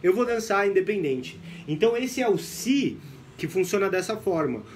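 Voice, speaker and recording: A young man from Brazil teaching English on a live stream, lively, mixing English phrases into his explanations. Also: high-pitched, normal speed, a little hiss or hum.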